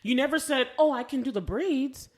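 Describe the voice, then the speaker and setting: A woman's voice: sits high, moderate pace. An American woman co-hosting a podcast, chatting casually and telling stories expressively, often re-enacting conversations as she goes. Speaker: podcast co-host. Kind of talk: casual chat and animated personal storytelling.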